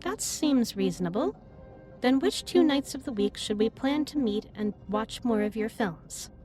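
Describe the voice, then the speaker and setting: Woman doing a sweet earnest alien lady captain, kinda formal, highish lilting voice, soft music behind. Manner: formal, precise, slightly stilted wording. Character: gentle, earnest female alien starship captain. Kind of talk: scripted roleplay audio, addressed to the listener.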